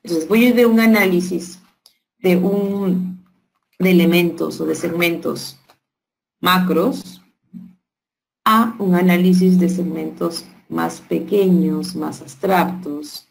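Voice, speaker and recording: A woman's voice: fairly low pitch, fairly even intonation, slow, gravelly, low-quality recording. A woman giving an online workshop lecture to teachers, explaining step by step and checking in with rhetorical questions. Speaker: teacher trainer.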